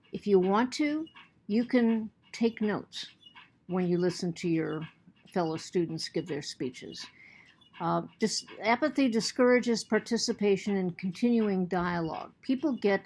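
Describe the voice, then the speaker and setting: A woman teacher gives a recorded lecture to her students in an earnest manner, frequently repeating and restarting words while fighting the hiccups. Her voice is medium in pitch and a little mellow.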